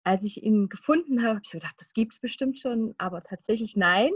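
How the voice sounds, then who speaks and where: A woman's voice: fairly high pitch, lively intonation, normal speed, slightly rough, no room sound, dull audio. A woman in her thirties, a guest in a casual podcast interview, talking chattily with frequent laughs and fillers. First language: German. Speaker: guest, singer and children's author.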